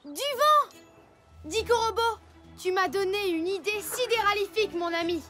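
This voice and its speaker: A woman's voice: very high-pitched, animated, normal speed, pushed and bright, soft background music, heavily acted. A woman voicing a plucky small alien boy hero in a children's cartoon, earnest, commanding and enthusiastic. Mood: delighted. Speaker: cartoon lead character. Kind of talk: animated children's cartoon dub.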